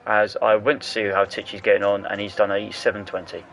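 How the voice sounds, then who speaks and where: A man doing casual, jokey commentary on an online racing league, full of quick asides. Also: lowish voice, little pitch movement, a bit bright, slight background noise, low-quality recording. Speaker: race commentator.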